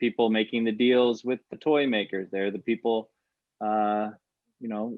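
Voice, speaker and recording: With an unremarkable speaking voice, a man talks at a moderate pace, his fairly low pitch held in fairly even intonation. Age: 50s. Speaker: film set photographer. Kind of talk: casual interview chat.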